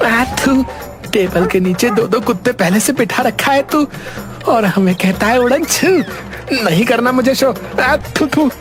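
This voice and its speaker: A man's voice: very high voice, measured pace. A man voicing a short, boastful, hot-headed young man in a cartoon, talking in a brash, threatening way over background music. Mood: indignant.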